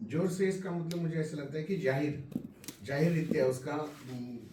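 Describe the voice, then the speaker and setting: A man in a group reading discussion, speaking thoughtfully and pausing as he recalls verses. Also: on the high side, warm tone, slight background noise. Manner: thoughtful, quotes verse with pauses. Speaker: discussion participant. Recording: roomy, far from mic.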